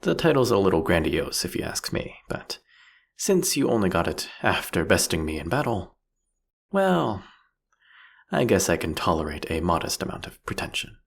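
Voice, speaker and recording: A jealous, philosophical vampire king acted by a man for a fantasy audio roleplay. His voice is deep and rough with fry, rising and falling expressively. He draws out his eloquent phrases with a teasing, seductive mockery. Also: very animated, normal speed, full character voice. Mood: sardonic.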